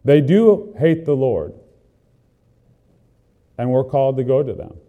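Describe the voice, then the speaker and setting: A man's voice: medium pitch, expressive, a little slow, narrow, tinny audio. A man preaching a sermon, earnest and building emphasis through repeated phrases. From not from the country he is preaching in.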